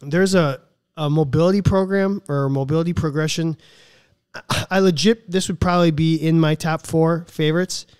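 A man with a fairly high, smooth voice chats as a podcast co-host. His delivery is casual and millennial, full of hedges and hyperbole, as he banters about exercise. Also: fairly even intonation, moderate pace, darkish tone, dry recording, clean studio sound.

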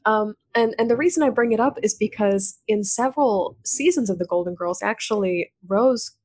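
A woman's voice: mid-range voice, moderate pace, a little mellow. A woman from the American South interviewing a guest, bubbly and enthusiastic, with frequent giggles. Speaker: podcast interviewer. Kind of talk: conversational interview.

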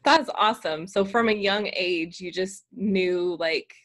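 A woman's voice: medium pitch, unhurried, fairly bright tone. A woman hosting a business podcast, upbeat and chatty, with a lot of "like" fillers. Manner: upbeat, uses many fillers like "like". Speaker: podcast host. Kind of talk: scripted intro then casual interview.

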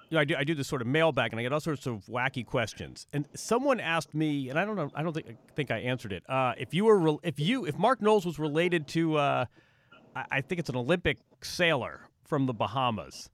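Stammering, lively-voiced male host. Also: fairly high pitch. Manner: halting, stammering questions. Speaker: podcast host. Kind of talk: casual interview talk.

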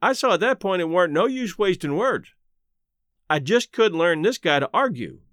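A folksy boy from the played by a man tells his story in plain colloquial words. The voice is fairly high, animated in pitch and recorded very dry, in audiobook style. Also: moderate pace, no echo. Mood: matter-of-fact. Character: Huck, a folksy, matter-of-fact adolescent Southern boy narrator. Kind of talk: first-person audiobook narration.

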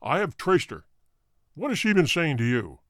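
A man's voice: a little high, big pitch swings, normal speed, no room sound, studio quality. A man voicing a huge, fierce old country doctor who snarls threats furiously.

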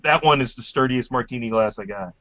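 A man's voice: medium pitch, brisk, a bit bright. A man chatting casually about beer and glassware, rambling with lots of ums and likes. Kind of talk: casual beer tasting chat. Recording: dry, slightly dull lo-fi sound.

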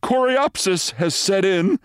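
A man's voice: fairly low pitch, moderate pace, no echo, clean studio sound, close to an everyday voice. A man voicing a distraught, anxious male doctor in a storybook reading. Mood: nervous, pleading. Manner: nervous, deferential.

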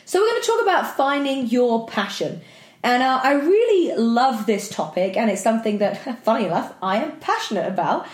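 Husky lady chatting on her podcast, upbeat and self-deprecating, kinda echoey room. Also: fairly high pitch, expressive, normal speed. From Britain. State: husky from a tired voice, coughing. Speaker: podcast host. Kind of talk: casual motivational podcast monologue.

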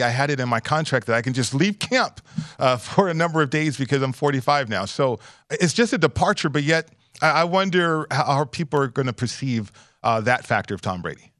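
A man's voice: mid-range voice, a bit bright, no room sound, clean studio sound. A man in his fifties hosting a sports podcast, talking in a rambling, wry way. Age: 50s. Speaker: podcast host. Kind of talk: casual podcast chat.

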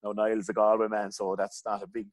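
A middle-aged man from County Clare speaks with a west of Ireland accent. His voice sits on the low side, recorded dry with little room sound. He chats casually and colloquially, wandering through his anecdotes. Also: little pitch movement, brisk, dry recording. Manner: colloquial, rambling storytelling. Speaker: interview guest, hurling coach.

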